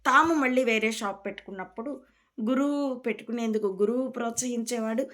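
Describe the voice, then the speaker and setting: A woman from Rayalaseema, a spiritual teacher, giving a calm, reflective discourse to her followers. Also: fairly high pitch, a little fast. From Rayalaseema, India.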